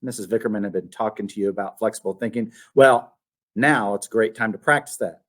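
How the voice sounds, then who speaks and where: A man's voice: fairly low pitch, a little fast, voice pushed down, natural voice. A man voicing a patient, slightly quirky storybook mother who coaches and encourages. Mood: sympathetic, coaching. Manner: encouraging, instructive. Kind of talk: storybook read-aloud.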